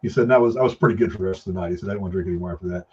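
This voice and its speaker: A man's voice: low-pitched, racing, darkish tone, husky, lo-fi sound. A man co-hosting a casual film chat, telling rambling anecdotes in slangy, profane language. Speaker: podcast co-host.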